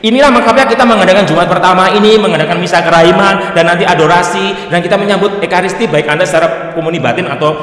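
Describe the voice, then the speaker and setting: A man's voice: high voice, quick pace, hardly any pauses, a bit bright. A man preaching a Catholic sermon, joking and breaking into sung hymn lines. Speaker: Catholic priest. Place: church. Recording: echoey church hall.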